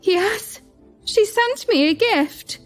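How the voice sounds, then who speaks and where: A woman's voice: very high voice, expressive, slow pace, soft background music, exaggerated voice. A woman voicing a naive, tearful young royal concubine who speaks with childlike, pleading innocence. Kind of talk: audio drama acting.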